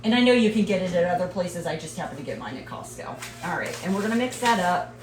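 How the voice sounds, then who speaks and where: Chatty low-voiced woman cooking at home. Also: lively intonation, fast, music in the background. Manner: chatty and rambling, with playful sing-song nonsense rhymes. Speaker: cooking video host. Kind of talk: casual cooking demonstration. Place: home kitchen.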